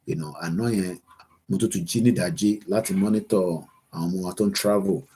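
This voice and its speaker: A man's voice: sits low, fast, warm tone, slightly rough. A Nigerian man with a Yoruba accent hosts a political livestream, switching between English and Yoruba as he reads out viewer comments. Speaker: host of an online political livestream.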